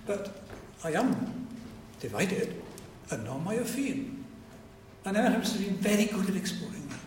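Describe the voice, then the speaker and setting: A man's voice: high-pitched, very animated, moderate pace, noisy background. A man with a Welsh accent, a native Welsh speaker, giving a reflective public talk with hesitant restarts and digressions. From Wales. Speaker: speaker at a literary tribute. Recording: echoey hall, mic at a distance.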